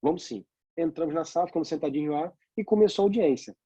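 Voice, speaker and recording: A Brazilian man lectures on law, spinning a story from his practice and tossing out rhetorical questions. His voice sits a little high yet sounds very dark and husky. The recording is dry and somewhat muffled. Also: rapid-fire, no echo. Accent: Brazilian Portuguese.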